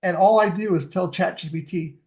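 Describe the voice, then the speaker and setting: A middle-aged fitness technology expert, a guest on a casual podcast interview, walks through tools step by step with enthusiasm. His voice is high-pitched and a little mellow, and he speaks fairly quickly.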